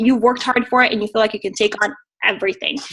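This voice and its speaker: Speaking at a fairly quick pace, a woman sounds animated. Her pitch is high. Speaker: team leader in direct sales. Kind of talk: motivational team meeting. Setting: video call. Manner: fast.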